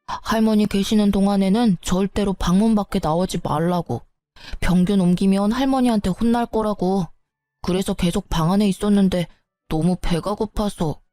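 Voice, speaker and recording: A woman's voice: medium pitch, normal speed, dark tone, no room sound, lightly acted. A woman voicing a hungry, hurt young boy who asks innocent, plaintive questions, in storybook voice acting. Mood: sad.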